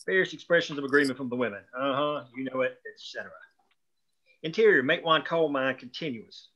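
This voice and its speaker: A man's voice: mid-range voice, fairly quick, fairly bright tone, highs cut off. A man reading screenplay stage directions as scripted narration at a table read.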